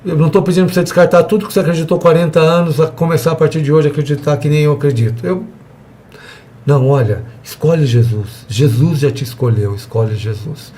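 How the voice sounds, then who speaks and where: A man's voice: on the high side, quick pace, mellow, a little hiss or hum. A man teaching a church evangelism class in a conversational way, acting out little dialogues with the people he talks to. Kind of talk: church seminar lesson.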